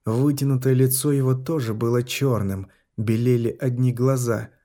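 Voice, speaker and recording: A man giving scripted narration of a dark fantasy story in a measured, tense manner. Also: medium pitch, steady tone. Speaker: audiobook narrator.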